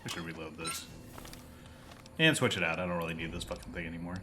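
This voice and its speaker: A man's voice: sits low, quick pace, background noise. A young man streaming a video game, talking casually with sarcastic, profane jokes.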